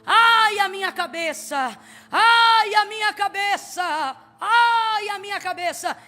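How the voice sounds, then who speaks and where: Woman doing a small boy, wailing in pain, very high voice, loud repeated cries. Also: little pitch movement, normal speed, creaky, long reverb tail, faint music behind, full character voice.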